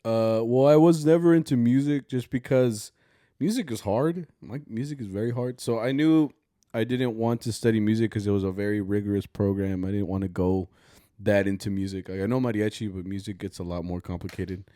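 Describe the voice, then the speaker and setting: A young man with a low, mellow voice talks easily on a podcast, rambling a little with fillers as he goes. The sound is dry and close. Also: fairly even intonation, a little fast, dry recording. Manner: easygoing, talkative, rambling with fillers. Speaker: podcast co-host. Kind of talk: casual podcast chat.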